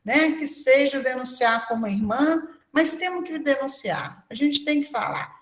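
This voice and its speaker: An older woman, her fairly high voice carrying through a reverberant room. She talks in a casual, conversational way, peppering her speech with "né?" as she tells anecdotes. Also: measured pace. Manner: conversational, frequent "né?" tags, lively anecdotes. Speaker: guest speaker. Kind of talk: conversation circle talk. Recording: echoey room.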